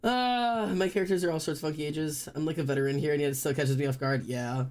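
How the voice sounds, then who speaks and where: A man's voice: a little high, quick pace, a little mellow. A man in his late twenties chatting casually and rambling as a streamer while drawing. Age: late 20s. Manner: chatty, rambling, many fillers.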